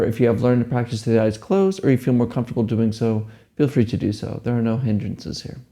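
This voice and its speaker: A man leading a guided meditation, giving gentle, unhurried instructions. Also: medium pitch, vocal fry.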